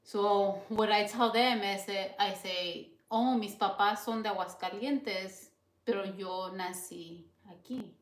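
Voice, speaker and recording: A young woman from California talks loosely across a kitchen counter, dropping in Spanish phrases between laughs. Her voice sits at an ordinary middle pitch. The room adds a noticeable echo. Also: unhurried. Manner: chatty, switches into Spanish, laughs often. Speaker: vlogger. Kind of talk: casual chat. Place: home kitchen, indoors.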